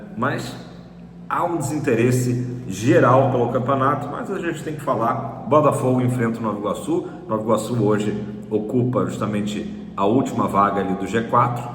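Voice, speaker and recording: At a moderate pace, a man talks at a medium pitch with ordinary pitch variation, amid noticeable background noise and audible room echo. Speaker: football channel presenter. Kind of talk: casual football commentary vlog. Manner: low energy.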